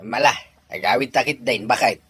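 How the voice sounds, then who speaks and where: A man playing a raspy, forceful, irritated father. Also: medium pitch, normal speed. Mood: scornful. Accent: Filipino, Ilocano. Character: gruff, irritated, domineering father. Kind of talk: radio drama acting.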